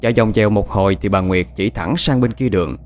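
A man's voice: lowish voice, fast talker, a little mellow, slight background noise. A man narrating a horror story in a dramatic, scripted way.

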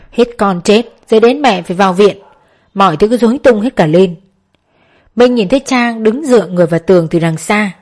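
A woman narrating a novel as an audiobook in a steady storytelling manner. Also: mid-range voice.

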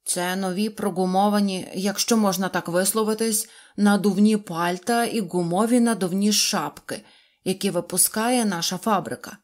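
A woman voicing a cheerful, boastful little fairy-tale man who speaks loudly and excitedly, forever apologising for his words. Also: high voice, normal speed, close to an everyday voice. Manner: loud, excited, ever-apologetic phrasing.

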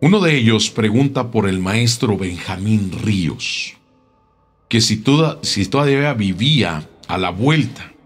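A man telling a local tale in a casual, unhurried way, often repeating words as he goes. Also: fairly low pitch, lively intonation, slightly rough. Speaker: storyteller.

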